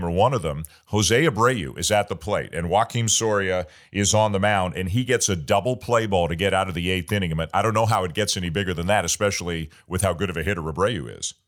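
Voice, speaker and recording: A man with a deep, low voice hosting a sports interview. He lays out long recaps of the action before asking his questions. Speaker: podcast host.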